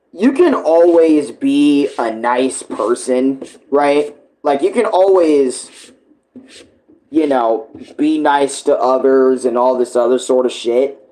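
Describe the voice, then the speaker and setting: A man's voice: mid-range voice, a little mellow, poor audio. A man giving casual live reaction commentary, rambling bluntly and informally with heavy swearing. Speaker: reaction streamer.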